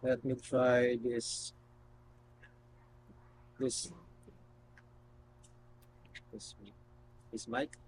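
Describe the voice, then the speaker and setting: Male product reviewer, casual and unscripted, halting instructional delivery, noisy home-style recording with hum. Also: mid-range voice, monotone. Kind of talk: casual unscripted gadget demonstration. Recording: noticeable background noise and hum.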